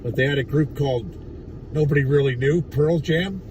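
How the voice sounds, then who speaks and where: A man with a raspy voice gone hoarse from days of yelling, ranting bluntly and profanely on a casual livestream from inside his truck. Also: on the high side, moderate pace, far from the mic, noisy background. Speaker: livestreamer at a protest. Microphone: phone.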